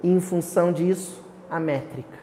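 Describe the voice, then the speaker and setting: Teaching a small study group, a man with a Brazilian accent speaks at a moderate pace in a high-pitched, warm voice. He keeps quizzing the group, answers his own questions, and declaims the verses he quotes. Faint hiss sits under a reverberant hall sound.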